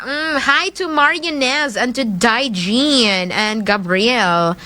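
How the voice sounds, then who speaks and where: High-voiced playful Filipina radio DJ. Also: female voice, slow pace. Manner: chatty, playful, reads listener shout-outs. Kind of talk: call-in radio show with greetings. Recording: music bed playing loudly behind.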